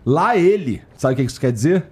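A man's voice: fairly high pitch, animated, brisk, darkish tone, a little hiss or hum. A man with a Brazilian accent chatting casually in slangy, informal speech.

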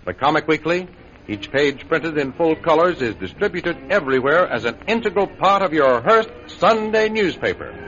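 A man's voice: on the high side, lively intonation, normal speed. A man announcing and recapping an old radio adventure serial in a formal, declamatory way. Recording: dull old radio recording with music behind.

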